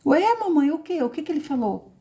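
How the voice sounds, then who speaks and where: A woman's voice: high-pitched, big pitch swings, brisk, mellow, pitched above the performer's own voice. A woman voicing a curious small child who keeps questioning its mother. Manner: insistent repeated questions.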